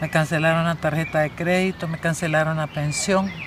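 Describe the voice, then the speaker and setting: There is noticeable background noise. The intonation stays fairly even. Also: man. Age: 60s. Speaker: exiled dissident. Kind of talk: interview testimony.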